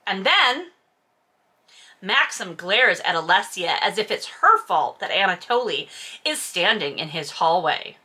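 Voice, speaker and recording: Sarcastic woman with a bright, forceful voice. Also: mid-range voice, very animated, unhurried, husky. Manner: sarcastic, sweary, exasperated. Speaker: host reading a novel aloud with commentary. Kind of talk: casual mocking commentary on a book.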